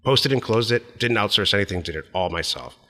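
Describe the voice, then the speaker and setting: Middle aged american guy on a podcast, husky n forceful, plain spoken, lots of room reverb. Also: lowish voice, lively intonation, fairly quick. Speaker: podcast co-host. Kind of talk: casual business podcast chat.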